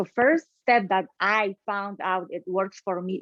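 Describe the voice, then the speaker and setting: A woman with a Polish accent speaks fairly slowly at a medium pitch with ordinary pitch variation, in a dry, close sound with no echo. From Poland. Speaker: leadership coach. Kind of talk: interview. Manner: halting.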